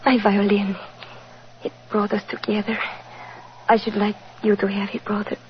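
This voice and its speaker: An actress playing a dying gypsy fortune-teller in 1940s radio drama, solemn and tender in halting short phrases, on a dull, noisy old recording. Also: female voice, medium pitch, flat delivery, close to an everyday voice. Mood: weak, tender.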